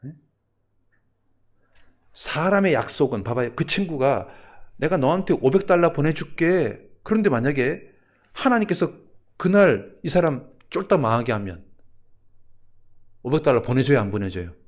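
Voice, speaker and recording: A man's voice: mid-range voice, sing-song, normal speed, long pauses. A male pastor preaching a sermon, keeps asking the congregation questions and telling a story with acted voices.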